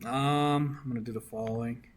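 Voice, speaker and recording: A man's voice: mid-range voice, fairly even intonation, moderate pace. A young man working circuit homework problems for a class, often asking "right?" to check that students follow. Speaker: engineering discussion instructor.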